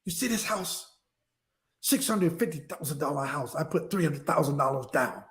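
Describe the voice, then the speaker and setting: A man's voice: a little high, animated, moderate pace, fairly bright tone, pitched below the performer's own voice. A man voicing a brash, successful male mortgage boss in a mock Chinese accent, boastful and clipped.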